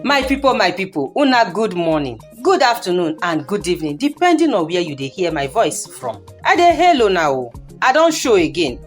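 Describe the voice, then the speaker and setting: A woman performs a lively, streetwise Nigerian woman giving advice on radio in Pidgin. Her delivery is folksy and persuasive, with a very animated pitch that swings up on exclamations. Faint music plays behind her. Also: moderate pace, hardly any pauses. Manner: folksy, exclamatory, persuasive, addressing listeners directly. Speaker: radio segment presenter.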